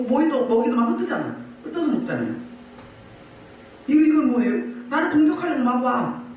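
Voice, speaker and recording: Male pastor, sermon; high animated voice, emphatic, heard from a distance with faint background noise. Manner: emphatic, lively preaching with many rhetorical questions. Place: church meeting room. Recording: very echoey room, voice from afar, faint noise.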